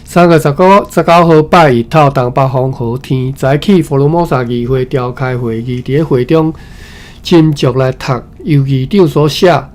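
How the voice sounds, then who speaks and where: A man with a Taiwanese accent reads a historical text aloud as a study session presenter, haltingly, often repeating phrases and adding informal asides. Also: medium pitch, darkish tone. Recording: clearly noisy recording with background ambience.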